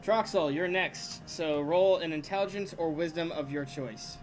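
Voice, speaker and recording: Chill guy running a tabletop game, laughs a lot, slightly high voice. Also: normal speed, soft background music. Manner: relaxed, laughs often, asks players for rolls. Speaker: game master.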